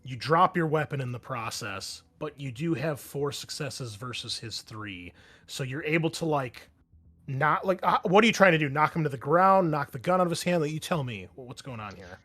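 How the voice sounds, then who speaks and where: A man's voice: a little high, animated, moderate pace, fairly bright tone. A man running a tabletop roleplaying game, explaining action and rules in a casual, profane way. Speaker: game master.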